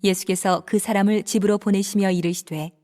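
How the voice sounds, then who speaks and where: A woman narrating scripture in a calm, even, reverent manner. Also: mid-range voice, a little fast.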